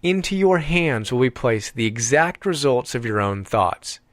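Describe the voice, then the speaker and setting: A man reading an audiobook as scripted narration, with measured, deliberate phrasing and emphatic pauses. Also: mid-range voice, sing-song, fairly bright tone, no room sound, studio quality.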